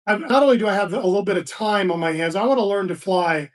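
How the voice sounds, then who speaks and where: A man in his sixties, a guest telling relaxed stories in a casual interview, with frequent restarts and fillers. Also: high-pitched, fast talker. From Florida, USA. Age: 60s. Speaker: guest, business founder. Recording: distant mic.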